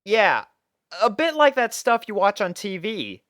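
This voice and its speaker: A man's voice: high-pitched, wildly swooping pitch, a little slow, a bit bright, no room sound, clean studio sound, pitched above the performer's own voice, heavily acted. A man voicing an easygoing, slightly hesitant young male roommate in a fan fiction audio reading. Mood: eager, casual. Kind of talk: fan fiction character acting.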